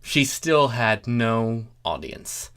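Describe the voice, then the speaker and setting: A story reader with a medium-pitched voice takes the text slowly and deliberately. The delivery is theatrical and widely varied in tone, breaking off for wry comments on the writing. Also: expressive, a bit bright, smooth. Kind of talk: comic fan fiction reading with ad-libbed asides.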